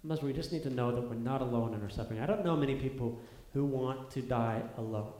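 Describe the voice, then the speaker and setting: A man's voice: medium pitch, quick pace, dark tone. Earnest man preaching in an echoey hall. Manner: earnest, building to emphatic peaks with repeated phrases. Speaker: pastor. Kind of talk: sermon. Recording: echoey room.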